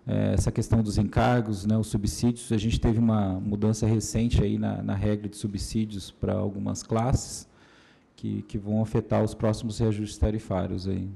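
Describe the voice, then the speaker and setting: A man with a very gravelly, husky, low voice gives a halting answer full of restarts. His tone is dark and rough. He is answering questions at a public meeting. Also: flat delivery.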